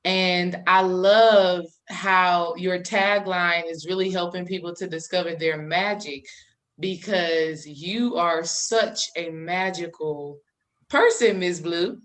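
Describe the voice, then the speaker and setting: A woman co-hosting and interviewing conversationally, admiring, with drawn-out emphasis on her words. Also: lowish voice, steady tone, a bit bright. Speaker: show co-host, interviewer.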